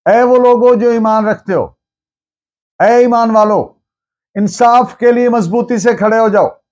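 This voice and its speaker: A man with a Pakistani accent giving a formal law lecture, mixing in English terms, deliberate and emphatic, repeating phrases in translation. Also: very high voice, steady tone, darkish tone, dull audio.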